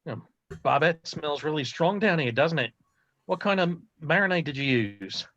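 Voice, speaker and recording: A man's voice: a little high, expressive, normal speed, a bit bright. A man playing a laid-back, blunt policeman in a comedy table read, casual and blokey, on muffled audio. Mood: mildly stern. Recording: dull, muffled online call audio.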